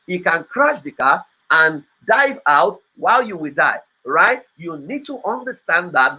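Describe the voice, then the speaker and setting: A man's voice: high voice, pushed and bright, slightly rough. A man, host of a podcast, giving a motivational talk in a preachy way, often adding "right?". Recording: dull lo-fi recording.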